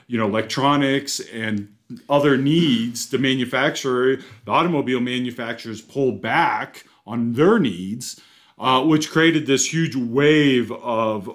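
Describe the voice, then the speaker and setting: A man co-hosting a casual podcast from a car dealership, talking in a loose, rambling way with lots of restarts and self-deprecating jokes. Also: medium pitch. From Ohio, US.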